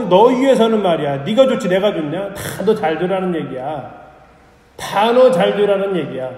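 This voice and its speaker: A middle-aged man with a high but mellow voice lectures church teachers. He asks questions and answers them himself, and his voice rings out in an echoey hall with a long reverb. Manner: acts out parents' remarks in quotes.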